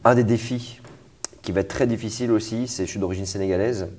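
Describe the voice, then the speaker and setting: A man's voice: lowish voice, fairly even intonation, fast, a little mellow. A young man hosting an interview, talking casually with fillers and restarts. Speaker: host.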